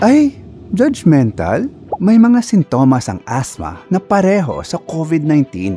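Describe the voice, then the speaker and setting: A man talking at a fairly slow pace, music in the background. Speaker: voice actor. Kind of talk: TV commercial read.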